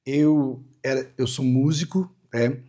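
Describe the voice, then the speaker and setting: A man's voice: mid-range voice, fairly even intonation, slow, dark tone. A man, a hypnotherapist guest, telling long rambling anecdotes in a casual interview, tagging his sentences with "né?". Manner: rambling anecdotal, frequent "né?" tags.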